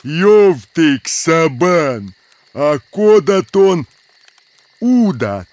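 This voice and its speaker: An actor voicing a boastful, hungry male forest spirit monster in a cartoon, with a deliberate way of talking. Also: fairly high pitch, very animated, a little mellow, no echo, full character voice. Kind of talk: cartoon character acting.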